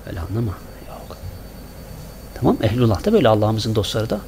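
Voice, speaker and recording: In a small mosque, a man preaches a Friday sermon to his congregation, posing questions to the listeners, answering them himself, and repeating words in rhythmic runs. His voice is lowish and very animated, with a brisk pace, vocal fry, and a warm tone. A faint hiss or hum sits underneath.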